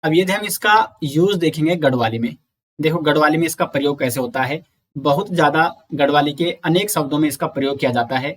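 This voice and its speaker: A man giving an exam-prep lecture, explaining slowly, repeating sounds and counting aloud. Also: fairly high pitch. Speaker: teacher.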